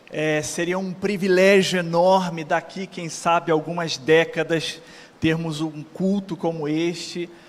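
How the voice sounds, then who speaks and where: Monotone, flat intonation at a fairly slow pace against noticeable background noise. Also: man. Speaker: pastor and missionary. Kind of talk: sermon. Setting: church.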